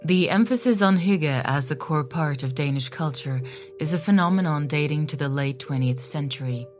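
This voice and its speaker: A woman with a very low voice reads scripted narration in an encyclopedic style. She delivers it as formal information, and music plays clearly behind her. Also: moderate pace, a little mellow.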